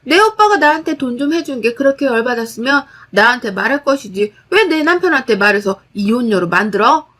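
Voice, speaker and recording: Frantic spoiled sister-in-law voiced by a woman, drawn-out shouted accusations in a spoken story. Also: on the high side, sing-song.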